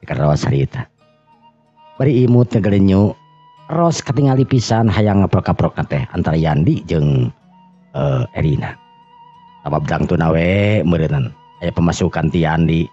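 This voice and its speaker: A man with a Sundanese accent and a gravelly, husky voice, telling a serial drama in an unhurried, conversational way. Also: deep voice, expressive, warm tone. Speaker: storyteller and channel host. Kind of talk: oral storytelling of a serial folk drama. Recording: muffled recording with music underneath.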